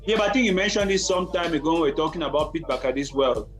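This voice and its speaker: A man's voice: fairly high pitch, expressive, racing. A man giving his view in a casual podcast debate, recorded in a roomy space. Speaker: podcast panelist. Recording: roomy echo, music behind.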